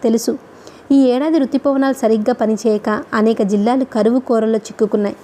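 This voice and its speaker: A woman voicing a thoughtful young woman student who speaks in a steady, reflective way. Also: on the high side, fairly quick, close to an everyday voice. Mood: calm, reflective.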